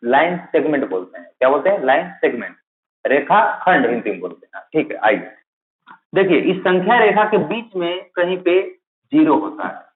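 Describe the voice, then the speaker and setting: A man's voice: fairly high pitch, sing-song, normal speed. Hindi-speaking man teaching math, tinny echo. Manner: asks a question then answers it himself, repeating key terms. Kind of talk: classroom-style lecture. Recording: tinny, phone-like, echoey room.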